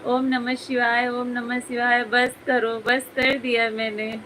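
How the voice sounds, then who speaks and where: A woman's voice: fairly high pitch, little pitch movement, takes it slowly, sharp tone, slight background noise, low-quality recording. A woman hosting a casual live stream, chatting with viewers, reading their comments aloud and teasing them by name, often breaking into giggles.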